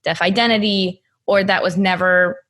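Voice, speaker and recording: A woman's voice: medium pitch, steady tone, normal speed, fairly bright tone. Woman podcast host asking questions. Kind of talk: podcast interview.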